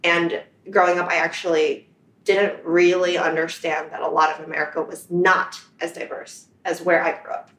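A woman from China speaks as an interview guest, thoughtful and conversational as she tells her story. Her voice sits a little low. The apartment around her gives the sound a roomy echo. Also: level tone, moderate pace, a bit bright. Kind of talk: casual conversation. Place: apartment in New York.

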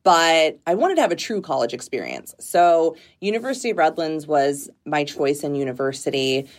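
A woman from Southern California with a low voice, speaking as a guest in a relaxed interview. She talks in an open, reflective way and laughs easily. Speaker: nonprofit executive director, guest. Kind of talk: casual conversational interview.

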